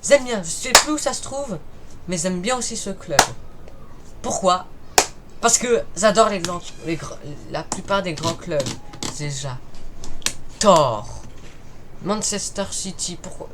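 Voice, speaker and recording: A man from Paris talking casually in an unscripted vlog, often stumbling and correcting himself as he goes. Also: sits high. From Paris, France. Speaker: YouTuber ranking football clubs. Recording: noisy recording with clicks.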